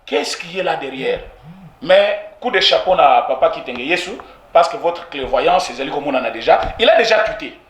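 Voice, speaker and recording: A Congolese man speaks with a Congolese French accent, his voice set high and swinging widely in pitch. He argues hard and slips between French and Lingala, hammering points by repeating them. The recording sounds echoey. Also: normal speed. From Congo (DRC). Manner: animated, mixes French with Lingala, repeats for emphasis. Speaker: political commentator. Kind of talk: heated political street interview.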